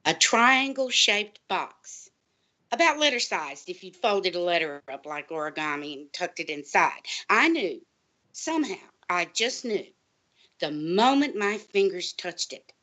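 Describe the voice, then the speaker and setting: A woman's voice: fairly low pitch, expressive, measured pace, pushed and bright. A woman playing a conspiratorial whistleblowing librarian, urgent and portentous, in a scripted audio drama. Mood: suspenseful.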